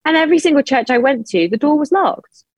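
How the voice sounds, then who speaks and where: A woman's voice: lively intonation, a little mellow, no room sound, muffled recording. Emotional English woman recounting grief. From England. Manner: emotional, quick bursts of speech rising high when angry. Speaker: guest. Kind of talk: personal storytelling in an interview.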